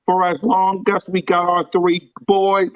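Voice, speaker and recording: A man hosting a casual sports fan podcast, excited and hyped, his voice scratchy from screaming. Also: high-pitched, a little slow, clear, resonant tone, dry recording, muffled recording. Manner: excited, hype fan talk. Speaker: podcast host.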